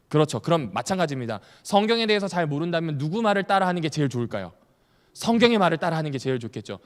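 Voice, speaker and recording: A male pastor giving a Bible study lecture, asking the audience questions and repeating key points, with humorous asides. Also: a little high. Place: church hall. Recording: long hall reverb.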